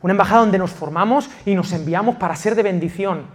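A man from Spain preaching a passionate sermon as pastor of a church, swinging from loud emphasis to quiet intimacy. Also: high-pitched, quick pace. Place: church in Valencia.

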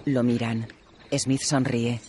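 A man reading scripted audio description in a flat, even delivery. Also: medium pitch, takes it slowly, slight background noise.

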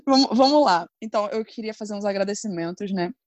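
A woman from Brazil, co-hosting a casual chat podcast in a relaxed, conversational way. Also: medium pitch, fast talker, dry recording. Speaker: podcast co-host.

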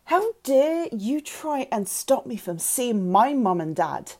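Wounded, defiant teen girl played by a woman, audiobook dialogue, higher voice, lively swings, impassioned. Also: normal speed, exaggerated voice. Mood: furious. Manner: impassioned, emphatic. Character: teenage adopted girl, angry, defiant, wounded. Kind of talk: dramatised audiobook character dialogue.

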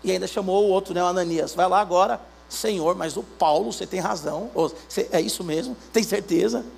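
A Brazilian pastor preaching a sermon, acting out little dialogues between God and believers in an animated way. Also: male voice, high voice, brisk, vocal fry, breathy edge. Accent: Brazilian Portuguese.

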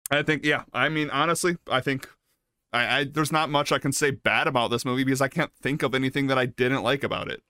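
A man's voice: medium pitch, fairly even intonation, fast, sharp tone, clear, resonant tone, dry recording, studio quality. A man chatting casually as a co-host reviewing a film, emphatic and given to repeating words. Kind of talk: casual chat.

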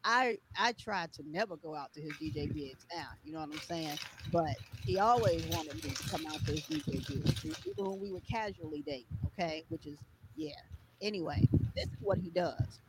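A woman co-hosting alongside her partner, chatting in a lively, sassy and profane way. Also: low-pitched, brisk. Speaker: co-host, DJ's partner. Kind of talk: casual chat. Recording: noisy background.

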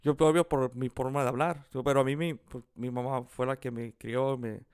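A man's voice: medium pitch, steady tone, normal speed, clear, resonant tone, no room sound, clean studio sound. A man from Los Angeles with a Mexican-American accent in Spanish, chatting casually with plenty of slang, swearing and bits of English. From Los Angeles, United States. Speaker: podcast co-host. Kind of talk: casual bantering chat.

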